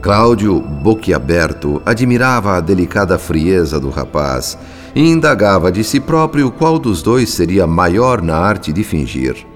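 Um ator brasileiro interpretando um espírito narrador de radionovela, observador, solene e literário. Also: male voice, sits low, sing-song, faint music behind. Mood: grave, observant. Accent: Brazilian. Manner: measured, literary, solemn. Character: grave, thoughtful male spirit narrator observing human families. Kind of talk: scripted radio drama narration.

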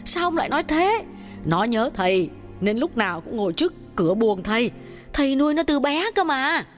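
A man voicing a sleepy, nagging middle-aged wife who scolds her husband in a quick, exasperated way. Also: very high voice, very animated, a bit bright, soft background music, voice pushed up, heavily acted. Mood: scolding. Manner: scolding, chiding, rapid exasperated.

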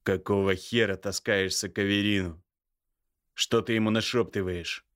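A seething older brother in an audiobook, voiced by a male reader close to his own low voice. He growls slow, menacing threats with open contempt. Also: steady tone, fairly bright tone, close to an everyday voice. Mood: furious, menacing. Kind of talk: audiobook character voice.

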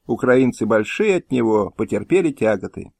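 A man's voice: medium pitch, very animated, moderate pace, creaky, darkish tone, dry recording. A man voicing an old, poor male Jewish tailor who talks in a weary, resigned, pleading way in a historical audiobook. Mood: sorrowful. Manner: pleading, sorrowful.

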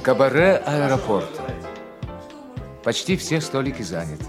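A man's voice: mid-range voice, big pitch swings, normal speed. A man reading scripted narration as the narrator of an audio drama. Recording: loud music behind the voice.

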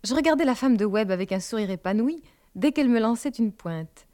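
A woman narrating a novel in a measured, expressive reading. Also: on the high side. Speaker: audiobook reader. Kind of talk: scripted literary narration.

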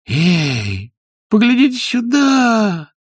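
A man's voice: sits high, extremely slow, husky, dry recording, studio quality, voice pushed up, heavily acted. A man voicing an eager, polite young village lad who talks in a breathless rush. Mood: excited. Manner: breathless, excited, overeager.

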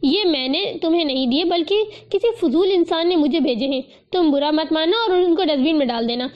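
A woman's voice: sits high, highs cut off, lightly acted. A woman voicing a brusque, impatient young woman who speaks curtly in a storybook reading. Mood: curt, annoyed. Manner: curt, clipped.

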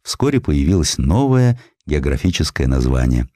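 Male audiobook narrator, very low register, expressive historical storytelling, close dry recording. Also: normal speed, no echo.

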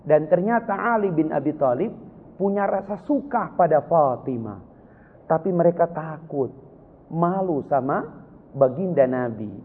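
A man preaching a sermon from Sulawesi, lively, with sudden high emotional cries. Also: slightly rough. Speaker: Islamic preacher. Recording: tinny lo-fi with long hall reverb.

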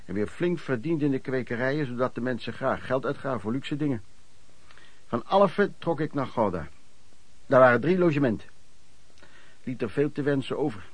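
A man's voice: medium pitch, expressive, normal speed, long pauses, no room sound, close to an everyday voice. An actor playing a former traveling merchant recounting his lodging-house years in colloquial radio drama narration. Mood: reminiscing.

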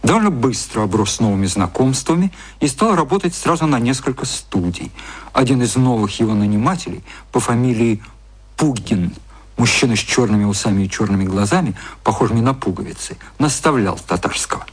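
A man narrating a literary radio play in a measured storytelling style. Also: medium pitch, lively intonation, breathy edge.

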